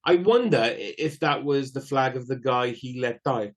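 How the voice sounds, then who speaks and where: A man's voice: medium pitch, lively intonation, normal speed. Blunt British man reading film trivia. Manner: blunt, reads trivia aloud, swears casually. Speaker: podcast co-host. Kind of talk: casual film podcast chat.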